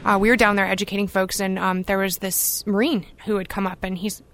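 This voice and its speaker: A woman's voice: medium pitch, flat delivery, fairly quick, background noise. A woman earnestly telling an anecdote about her outreach work. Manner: earnest storytelling.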